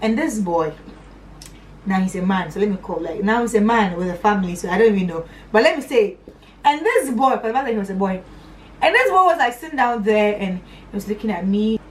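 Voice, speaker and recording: A young woman from Northern Nigeria telling a personal story on her vlog in a chatty, animated way, her voice swinging up high and dropping to low asides. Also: fairly quick, far from the mic, a little hiss or hum, low-quality recording. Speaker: vlogger.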